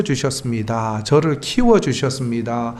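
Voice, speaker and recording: A man's moderately paced speech carries audible room echo and noticeable background noise. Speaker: missionary. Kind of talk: sermon. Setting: church.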